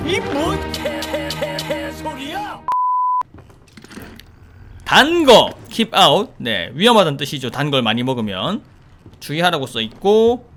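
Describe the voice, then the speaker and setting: Animated high-voiced male game commentator. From South Korea. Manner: jokey, animated, easily startled. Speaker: gaming streamer. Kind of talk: let's play commentary.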